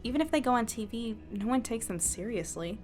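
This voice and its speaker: A woman's voice: on the high side, expressive, fairly quick, darkish tone, natural voice. Woman acting as earnest awkward young reporter lady, chatty audio drama, music underneath. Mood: questioning. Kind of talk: naturalistic audio drama dialogue and narration.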